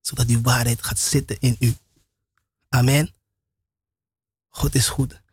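A man on Christian radio giving a fervent, halting testimony full of restarts and laughter. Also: medium pitch, flat delivery, a little mellow, breathy edge. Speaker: radio host. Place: radio studio.

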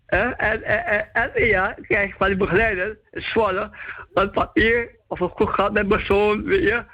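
An older man calling in to a radio show, speaking halting, broken Dutch as a non-native and repeating words as he searches for them. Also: sits high, fairly even intonation, no room sound, muffled recording. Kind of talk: phone-in chat with the host.

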